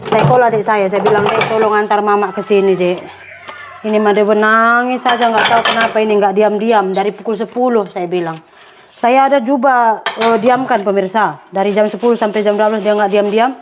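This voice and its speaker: A woman's voice: medium pitch, steady tone, brisk, noisy background. A tired young woman, chatting to her viewers in a rambling, storytelling way while doing chores at home. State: tired from a sleepless night. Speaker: vlogger. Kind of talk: casual chat to viewers.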